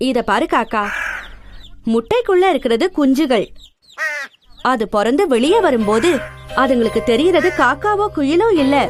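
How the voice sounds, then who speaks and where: A woman voicing a wise, calm mother hen in a children's cartoon, judging in a measured, admonishing way. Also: high-pitched, music in the background.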